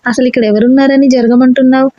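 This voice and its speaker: A woman's voice: sits high, fairly even intonation, fast talker, mellow, no room sound, dull audio, lightly acted. A woman reading a story aloud and voicing a bossy, irritable young man who scolds the heroine. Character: gruff bossy young man, a rowdy hero.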